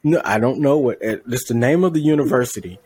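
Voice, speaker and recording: A man's voice: mid-range voice, lively intonation, fast, a little mellow, husky. A man co-hosting a podcast in casual chat, rambling and correcting his own slips with a laugh. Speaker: podcast co-host.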